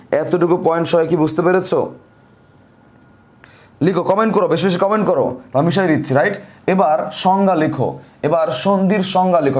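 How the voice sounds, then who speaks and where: Man, teacher, higher-pitched voice, grammar lesson, repeats and quizzes students. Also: a little mellow. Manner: repeats points and drills the class with questions.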